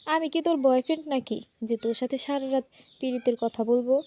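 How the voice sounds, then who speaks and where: A woman voicing a cheeky, teasing young male college student in a read-aloud story, her voice high. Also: brisk, warm tone, lightly acted.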